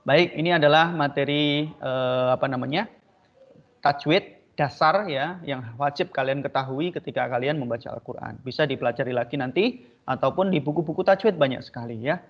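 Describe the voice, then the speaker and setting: A man's voice: fairly high pitch, moderate pace. Man patiently drilling Arabic sounds, muffled. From Indonesia. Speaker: teacher. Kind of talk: online tajwid lesson. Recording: dull lo-fi recording.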